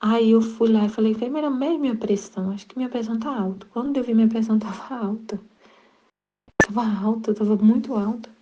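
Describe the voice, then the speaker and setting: A middle-aged woman with a Brazilian accent, hosting a Catholic devotional channel and sharing a personal spiritual reflection in an earnest, repetitive way with halting restarts. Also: a little high, warm tone, dull audio. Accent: Brazilian Portuguese.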